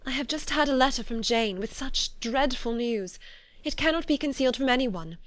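A woman voicing an agitated, distraught young gentlewoman from a period novel, speaking in impassioned, anguished exclamations. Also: high-pitched, brisk, dry recording, voice pushed up, lightly acted. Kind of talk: dramatic audiobook character acting.

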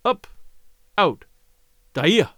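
A composed gentlewoman speaking in a hushed, restrained manner, as a male reader puts her on. The voice sits fairly high for a man and sounds dry and close. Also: very animated, extremely slow, no room sound, exaggerated voice.

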